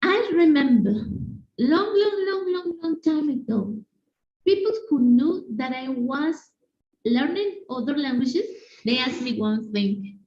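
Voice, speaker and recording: A woman teacher from Mexico with a Mexican Spanish accent, giving an animated online conference talk and speaking directly to her audience. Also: high voice, slow pace. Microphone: video call. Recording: echoey room, dull lo-fi sound.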